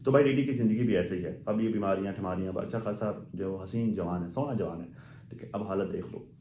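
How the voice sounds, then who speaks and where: A man's voice: deep voice, fast talker, dark tone, a little hiss or hum. A man giving casual, rambling commentary on social media gossip, full of fillers and asides. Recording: echoey room.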